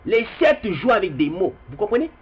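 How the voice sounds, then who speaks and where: A young man with a high voice talks straight to his viewers. He rambles and doubles back on his words, and reads out passages here and there. The recording sounds dull and lo-fi. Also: very animated, normal speed, slightly rough. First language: Kikongo heritage language. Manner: rambling, repeats words, addresses viewers directly. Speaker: video commentator. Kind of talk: spoken video commentary with readings.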